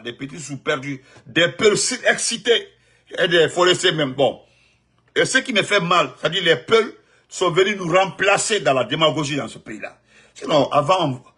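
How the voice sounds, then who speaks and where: Riffing on politics off the cuff, a man with a Guinean French accent is emphatic and repetitive, jumping from loud outbursts to muttered asides. His fairly high, animated voice has a breathy edge and a moderate pace.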